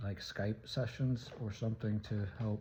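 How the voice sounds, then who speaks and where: Soft-spoken and somewhat breathy, the voice moves at a fairly slow pace. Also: man. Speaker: person with young onset Parkinson's. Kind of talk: casual talk to camera.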